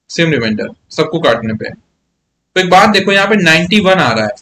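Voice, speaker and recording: Chatty maths teacher, slightly high voice. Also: male voice, fairly bright tone, slight background noise. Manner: chatty, coaxing, keeps asking students "yes or no?". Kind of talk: live online maths class.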